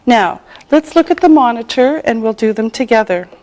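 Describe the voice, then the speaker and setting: A middle-aged woman from Canada teaching English in a scripted lesson, pronouncing every word slowly and carefully. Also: a little high, lively intonation, darkish tone. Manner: slow, carefully enunciated.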